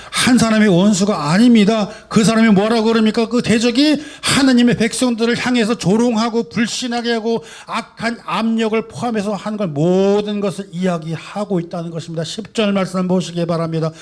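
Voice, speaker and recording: Emphatic high-voiced male pastor preaching. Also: steady tone, a little fast, few pauses. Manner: emphatic preaching, rhetorical questions, swings from soft to loud. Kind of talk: sermon. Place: church sanctuary.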